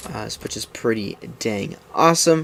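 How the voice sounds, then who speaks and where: Noticeable background noise accompanies a man speaking with an American accent. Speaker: gaming YouTuber. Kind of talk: gameplay commentary.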